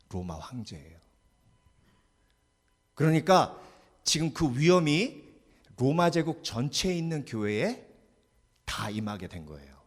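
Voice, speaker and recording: A man's voice: mid-range voice, slightly rough. A man preaching a sermon as pastor, talking animatedly and often asking the congregation questions. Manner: lively preaching with many rhetorical questions to the congregation. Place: church sanctuary. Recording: long church hall reverb.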